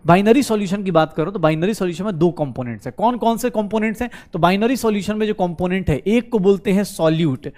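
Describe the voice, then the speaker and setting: A male chemistry teacher, giving an online class lecture in a brisk, coaxing way, asking questions and answering them himself. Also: high-pitched, darkish tone. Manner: mixes Hindi with English terms, calls students beta.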